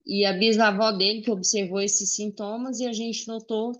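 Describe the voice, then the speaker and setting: Heard over a video call, this earnest guest speaker is a woman in her 40s from Uberlândia in Minas Gerais, Brazil. Her mid-range voice stays level as she gives a personal testimony in a friendly conversation, frequently pausing with "é" and "né."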